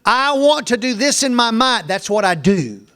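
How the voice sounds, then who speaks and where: A man's voice: extremely high pitch, big pitch swings, normal speed, pushed and bright, smooth. A man teaching a Bible lesson verse by verse, folksy and earnest, repeating his key points.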